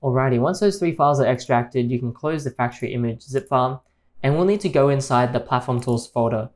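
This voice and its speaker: A man hosting a tech tutorial, calmly explaining each step in a screen-recorded voice-over. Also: mid-range voice, fairly quick.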